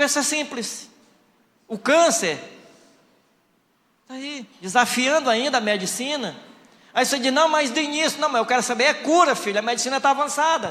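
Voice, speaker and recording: A man speaks in a raised, projected voice at an extremely high pitch with ordinary pitch variation. His pace is moderate, with long, frequent pauses. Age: 60s. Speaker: pastor. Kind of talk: sermon. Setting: church.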